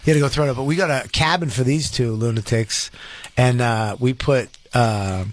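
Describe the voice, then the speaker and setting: A man's voice: medium pitch, normal speed. A man, a comedian co-hosting a podcast, telling loose, profane stories in casual banter with stumbling restarts.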